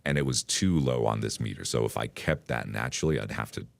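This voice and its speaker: A man demonstrating software in a casual, hesitant way, his voice pitched down through an AI voice changer. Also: fairly quick, creaky, dry recording. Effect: AI voice changer, pitched-down male voice. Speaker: tech tutorial host.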